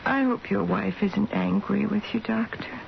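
An actress playing a gravely ill, wistful and tender wife in a 1970s radio drama, speaking in a halting, dreamy way. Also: female voice, medium pitch, noisy background. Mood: weak, tender. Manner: slow, halting, dreamy delivery. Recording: muffled old radio broadcast, music behind.

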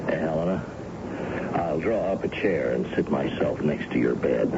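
An actor playing a gentle, worried father in a 1970s radio drama, coaxing and hesitant, repeating his words. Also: rumbling low, expressive, moderate pace, gravelly, exaggerated voice. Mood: soothing. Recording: muffled, noisy old radio recording.

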